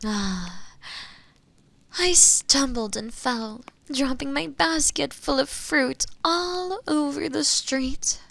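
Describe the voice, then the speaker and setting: A woman playing an imprisoned witch in an audio roleplay, seductive, teasing and obsessive, sometimes hushed as she speaks to the listener. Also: high-pitched, creaky, dry recording, full character voice. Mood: lovestruck, wistful. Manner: slow, teasing, hushed at times, with pet names. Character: imprisoned witch, seductive, obsessive yandere, bitter toward inquisitors.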